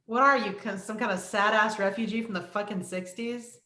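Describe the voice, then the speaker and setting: A woman's voice: medium pitch, steady tone, normal speed, bright, forceful tone, natural voice. Woman playing a hostile police chief, echoey room. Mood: contemptuous, menacing. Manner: curt, contemptuous, profane. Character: hostile, bullying male small-town police chief. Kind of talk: virtual table read of a film script.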